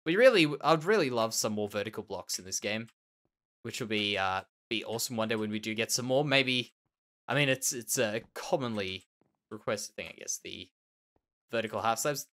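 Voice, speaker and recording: Nasal Australian man, lively pitch. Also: moderate pace. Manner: musing, self-correcting, repeats words. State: tender voice. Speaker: Minecraft let's play host. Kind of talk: casual gameplay commentary.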